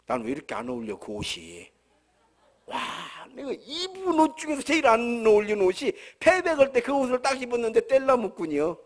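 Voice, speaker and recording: A male pastor with a Jeolla accent, delivering a humorous, conversational sermon full of rhetorical questions at a church service. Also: very high voice. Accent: Jeolla Korean.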